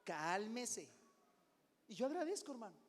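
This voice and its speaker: A middle-aged man preaching as a pastor, conversational, often calling "hermano", swinging between loud and hushed. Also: sits high, big pitch swings, unhurried. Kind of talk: sermon. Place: church sanctuary. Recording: long hall reverb.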